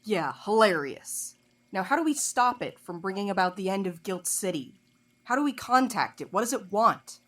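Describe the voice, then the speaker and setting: A woman's voice: mid-range voice, big pitch swings, moderate pace. A woman playing a blunt, impatient investigator in an audio drama, curt, sardonic and insistent.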